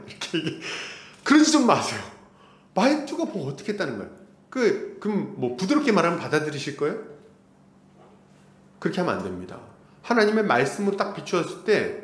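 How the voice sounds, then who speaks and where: A man's voice: a little high, roomy sound. A man preaching a sermon as pastor, acting out the voices of church members he quotes. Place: church sanctuary.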